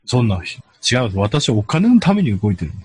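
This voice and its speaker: Weary husky-voiced man hosting a podcast. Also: mid-range voice, sing-song, normal speed, darkish tone, no echo. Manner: weary, self-deprecating, rambling. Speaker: podcast host. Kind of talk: casual chat.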